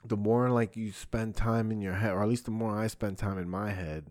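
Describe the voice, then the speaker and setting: Man, thirties, low voice, podcast host, casual chat, profane, slangy, rambling. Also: steady tone, normal speed, darkish tone. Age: 30s. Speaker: podcast host and stand-up comedian.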